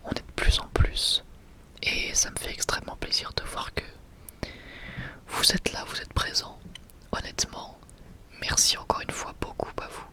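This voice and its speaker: A man's voice: moderate pace, pauses often. Whispering young man, ASMR. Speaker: ASMR video creator presenting a manga collection.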